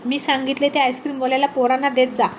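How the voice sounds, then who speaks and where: A fiercely protective village mother lashes out in hard, pointed questions in a spoken storybook, as a woman narrator puts her on. Her voice sits high and presses each word. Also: level tone, quick pace, slight background noise, natural voice. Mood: furious.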